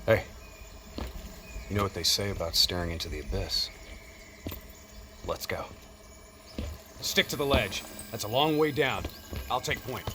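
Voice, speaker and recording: A man's voice: fairly low pitch, a little slow, long pauses, background noise, natural voice. An actor playing a blunt, short-tempered male special-ops soldier in a video game, curt and profane with sarcastic asides. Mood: grim. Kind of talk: video game cutscene acting.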